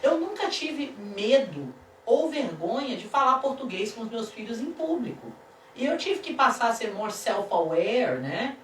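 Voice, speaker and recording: A woman's voice: on the high side, unhurried. A woman with a Brazilian accent giving her opinions emphatically on a talk show, dropping in the odd English word. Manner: emphatic, animated, mixes in English words. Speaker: guest immigration lawyer. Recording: echoey room, distant mic, background noise.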